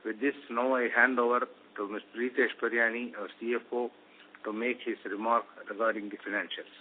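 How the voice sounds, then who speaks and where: A man's voice: medium pitch, level tone, fairly quick. A man with an Indian accent delivering prepared business remarks as a company chairman on a conference call. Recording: narrow, noisy phone conference line.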